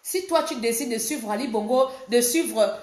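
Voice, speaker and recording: A woman from Gabon, an activist, talking fast and emphatically in a defiant political monologue. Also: on the high side, a little mellow, roomy sound.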